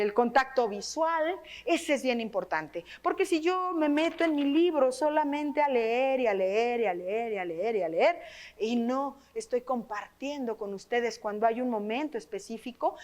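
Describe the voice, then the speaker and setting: A woman's voice: a little high, measured pace. A woman with a Mexican accent leading a workshop for teachers, talking with a trained, projected voice and often checking in with her listeners. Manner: lively, tags phrases with questions to the audience. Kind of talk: teaching workshop on reading aloud. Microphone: microphone.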